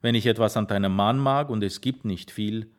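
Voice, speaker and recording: A man voicing an earthy, devoted old farmer in an audiobook reading, calm and grave. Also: on the low side, normal speed, natural voice. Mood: earnest.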